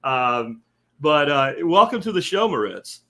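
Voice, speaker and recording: A man's voice: a little high, very animated, a little slow, bright, forceful tone. A middle-aged man from central Pennsylvania hosting a podcast, talking in a casual, folksy and emphatic way, including sponsor reads. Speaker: podcast host.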